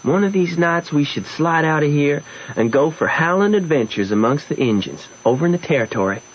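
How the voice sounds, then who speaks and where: A man's voice: a little high, expressive, a little fast, highs cut off, slight background noise, lightly acted. A man playing a keen, adventure-hungry country boy in a radio drama. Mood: eager.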